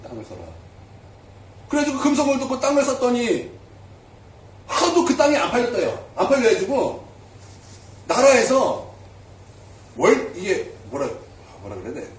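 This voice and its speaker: A male pastor preaching a sermon, telling a story and acting out the voices of the people in it, sometimes asking the congregation questions. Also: very high voice. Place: church sanctuary. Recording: echoey church hall, mic at a distance.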